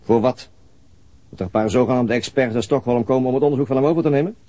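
An actor playing a weary, matter-of-fact police detective in a naturalistic radio drama, laconic and dryly explanatory. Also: male voice, mid-range voice, fast talker, warm tone, no echo, close to an everyday voice.

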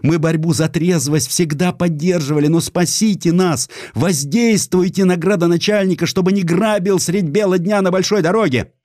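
A man's voice: high-pitched, moderate pace, few pauses, darkish tone, no room sound, studio quality, voice pushed up, close to an everyday voice. A man voicing a desperate, obsequious restaurant owner, pleading and fawning in an audiobook drama.

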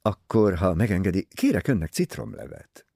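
A man's voice: sits low, very animated, creaky, mellow, dry recording, clean studio sound, exaggerated voice. A man voicing a courteous, gallant older detective who speaks politely and formally.

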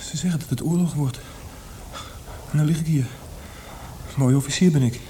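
A male actor plays a gravely ill man in a radio drama, facing death with wistful melancholy. His voice is mellow and weak, faltering and repeating words, on a slightly hissy old recording. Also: fairly high pitch, normal speed, lightly acted. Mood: insistent, grave. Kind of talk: radio play acting.

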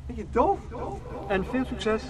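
Singsong mother, extremely high pitch, drawn-out slow delivery, radio drama. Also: animated, background noise. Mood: scolding.

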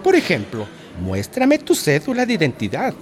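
A woman's voice: low-pitched, moderate pace, a little hiss or hum. An actress playing a welcoming, self-assured trans activist woman, speaking persuasively in a radio drama. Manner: persuasive, expressive.

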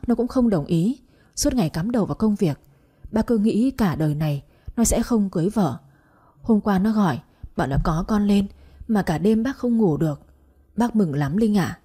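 Woman doing old teary mom, soft breathy voice. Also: mid-range voice. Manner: emotional, tearful pleading. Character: elderly mother, tearful and affectionate.

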